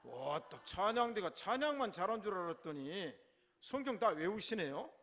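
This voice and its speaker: A male pastor preaching a sermon in a church, lively and conversational, teasing the congregation. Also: high-pitched, moderate pace. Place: church sanctuary.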